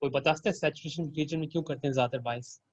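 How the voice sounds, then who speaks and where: A man's voice: a little high, fairly even intonation, very fast, no echo. Guy ta explaining circuit sims to students, asks them questions, kinda muffled lo-fi audio. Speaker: teaching assistant. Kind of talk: online tutorial walking through a circuit simulation.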